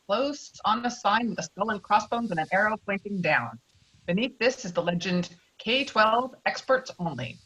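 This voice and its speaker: A woman's voice: mid-range voice, bright, forceful tone. A woman reading stage directions as the narrator of a virtual table read. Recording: dull, lo-fi online call.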